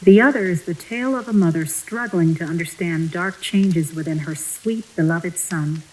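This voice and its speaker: Lower-pitched female attendant played by an actress, courteous, composed, formal, uncanny audio drama, light hiss behind. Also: normal speed, a little mellow, natural voice, low-quality recording. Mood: composed, polite.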